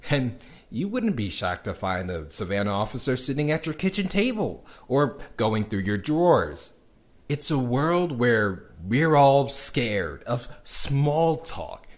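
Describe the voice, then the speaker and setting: A wry, weary young underground dweller in a sci-fi audio drama. He reflects slowly and haltingly, as if confiding in someone. His mid-pitched voice moves widely up and down through the intimate monologue. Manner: reflective, halting, with sardonic little laughs and sighs.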